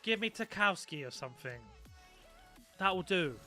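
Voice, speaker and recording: A man's voice: high voice, lively intonation, normal speed, bright, forceful tone, faint music behind. A young man chatting casually on a live stream, swearing freely and reacting to his viewers. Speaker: gaming streamer.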